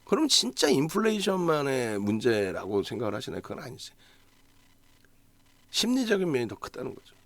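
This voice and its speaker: A man's voice: mid-range voice, huge pitch swings, a little fast, no room sound. A man giving a solo stock market analysis broadcast, talking emphatically, asking himself rhetorical questions and checking in with the audience.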